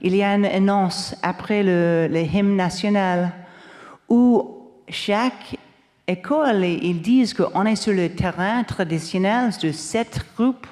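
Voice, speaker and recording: A journalist from Canada speaking on a panel, halting and searching for words with many restarts. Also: female voice, mid-range voice, a little mellow. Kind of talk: round-table remarks. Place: lecture hall. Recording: long hall reverb.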